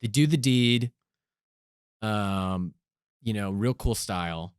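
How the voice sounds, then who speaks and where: A man's voice: fairly low pitch, slow, clear, resonant tone, no echo, clean studio sound. A male podcast co-host in casual comedic chat, rambling as he spins joking hypothetical stories.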